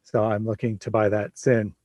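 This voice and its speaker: A man of forty hosting a casual livestream, chatting in a relaxed way and laughing often. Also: lowish voice, normal speed, no echo. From Midwest United States. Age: 40s. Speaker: livestream host.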